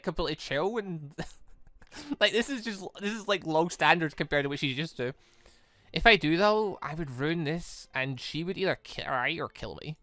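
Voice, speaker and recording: A man hosting a gaming video, giving animated let's play commentary and reading a visual novel aloud as he reacts. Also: a little high, dry recording, studio quality.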